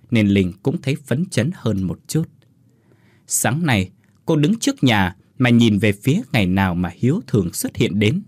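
Expressive husky-voiced male storyteller. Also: on the low side, no room sound. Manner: lively, expressive reading. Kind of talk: scripted story narration.

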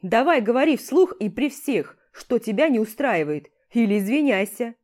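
A woman's voice: mid-range voice, expressive, moderate pace, dark tone, lightly acted. A woman reading an audiobook voices a hot-headed young male sniper who snarls defiantly in a brawl.

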